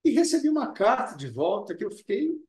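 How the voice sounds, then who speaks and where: A man being interviewed as an actor, talking earnestly and deliberately, often repeating words as he searches for them, and Italian was his first language. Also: very high-pitched, big pitch swings, darkish tone, reverberant. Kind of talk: reflective interview talk.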